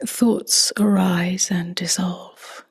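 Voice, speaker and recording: A woman speaking softly and gently in a near-whisper as she guides a meditation, unhurried, with long pauses. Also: on the low side, level tone. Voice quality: soft, breathy, near-whispered. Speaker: meditation teacher.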